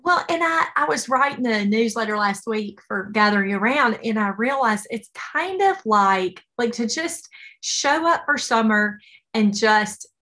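Podcast co-host: middle-aged woman, earnest and conversational, somewhat high-pitched. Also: animated, measured pace, bright, forceful tone. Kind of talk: casual, earnest podcast talk.

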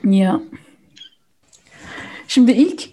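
Mellow woman chatting casually. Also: a little high, animated, very slow. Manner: switches between Turkish and German mid-sentence. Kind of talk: casual chat, explaining a film.

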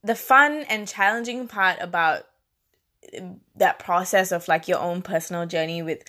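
A woman's voice: on the low side, moderate pace, sharp tone. A young woman from Malaysia with a Malaysian accent, chatting casually and swearing now and then, with many fillers. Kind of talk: casual chat.

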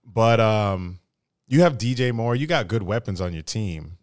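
A man co-hosting a casual sports podcast, animated and crude, talking to players as if they could hear him. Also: on the low side, a little slow, no echo, clean studio sound. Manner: animated, crude slang, talks to players as if present. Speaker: podcast co-host.

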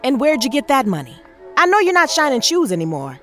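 A woman's voice: high-pitched, huge pitch swings, fairly quick, fairly bright tone, soft background music, full character voice. A woman playing a stern, no-nonsense mother who scolds and interrogates in a period audio drama. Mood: stern, suspicious. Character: stern, suspicious, no-nonsense working-class mother.

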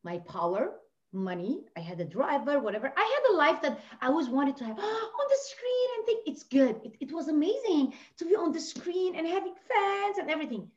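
A woman's voice: high-pitched, very animated, a little fast. A middle-aged woman from Lebanon, English not her first language, telling her personal story as an interview guest in an impassioned, emphatic way. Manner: impassioned, emphatic, swings between loud and hushed. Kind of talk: emotional personal testimony. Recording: dull lo-fi audio.

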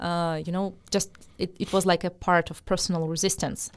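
A woman's voice: fairly low pitch, level tone, quick pace, clear, resonant tone. A woman from Ukraine's Donetsk region whose first language is Russian, speaking English with that accent and answering interview questions emphatically, often restarting her sentences. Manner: emphatic, many restarts and hesitations.

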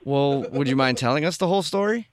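A man's voice: medium pitch, expressive, quick pace. A man hosting a radio show, asking questions in a persuasive, friendly way. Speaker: radio host. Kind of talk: radio talk.

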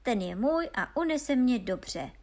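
A woman reading aloud and voicing a foolish, cheerful young peasant lad who boasts loudly. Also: fairly high pitch, lively intonation. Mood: boisterous. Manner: boastful, loud and carefree.

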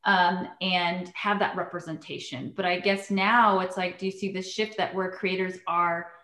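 A woman's voice: lowish voice, fairly even intonation, normal speed, sharp tone, reverberant. A woman interviewing a guest, chatty and casual, leaning heavily on "like" and "you know". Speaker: interviewer, host.

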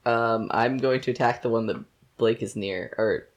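A woman's voice: very deep voice, normal speed. A woman playing a tabletop game in casual chat.

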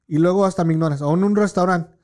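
A man's voice: high-pitched, fast talker, a little mellow. A man, chatting casually and telling a profane story, dropping in English words. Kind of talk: casual chat.

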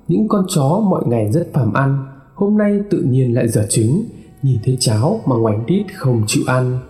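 A man narrating a scripted horror story in a measured, grim way. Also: medium pitch, warm tone. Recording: echoey room, long reverb, faint music.

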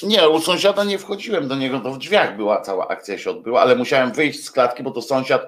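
A man's voice: medium pitch, fast, fairly bright tone, a little hiss or hum. A man hosting a livestream, chatting casually with viewers in a hesitant, rambling way full of filler sounds and restarts, with jokey asides. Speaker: livestream host.

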